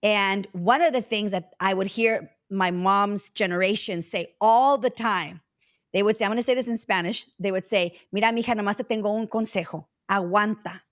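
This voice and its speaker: A woman in her forties from Mexico, hosting a casual interview chat and telling stories in a reflective, drawn-out way. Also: medium pitch. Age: 40s. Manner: reflective, storytelling, drawn-out phrasing with fillers. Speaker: podcast host.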